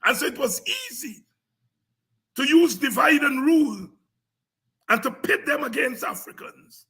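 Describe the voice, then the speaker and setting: In an impassioned, informal history lecture, this Guyanese-accented host is emphatic, combative and given to repetition. His gravelly, raspy voice has an extremely high pitch, and he takes his time, sounding bright and forceful.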